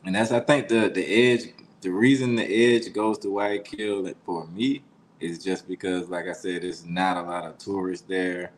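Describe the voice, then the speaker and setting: A man's voice: deep voice, steady tone, unhurried, slight background noise, low-quality recording. A man from the United States chatting casually as a co-host, slangy and rambling. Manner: laid-back, slangy, rambling. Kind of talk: casual chat.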